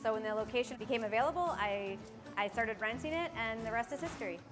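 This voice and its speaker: A woman's voice: on the high side, expressive, quick pace. A young woman who owns a bakery, talking in an upbeat, conversational way in a documentary interview. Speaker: bakery owner. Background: background music.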